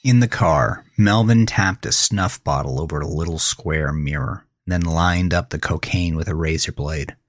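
A man's voice: very deep voice, normal speed, hardly any pauses, no echo. A man narrating a horror thriller story in a scripted, dramatic storytelling style. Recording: close dry voice over faint music. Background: faint music.

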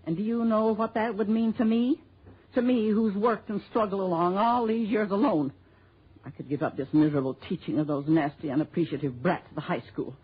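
A woman's voice: medium pitch, fairly quick, slightly rough, natural voice. A woman playing a bitter, greedy spinster teacher. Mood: resentful. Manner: spiteful, voice swooping and breaking into sobs. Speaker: schoolteacher. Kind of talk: 1960s radio drama acting. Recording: dull old radio broadcast.

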